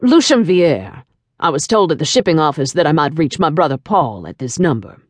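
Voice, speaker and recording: Woman narrator as commanding male tycoon: lowered voice, trace of French, clipped, formal, impatient, dry studio sound. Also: sing-song, normal speed, dry recording. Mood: curt. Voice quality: deep, smooth tone. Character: imperious, impatient male shipping magnate. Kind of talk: audiobook character dialogue.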